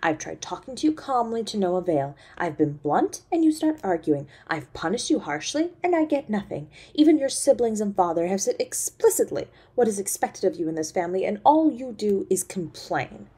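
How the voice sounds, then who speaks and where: A woman's voice: medium pitch, very animated, moderate pace, few pauses, warm tone, breathy edge. A woman playing a cruel, imperious centuries-old succubus mother in a scripted audio roleplay, mocking and menacing. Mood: exasperated, severe.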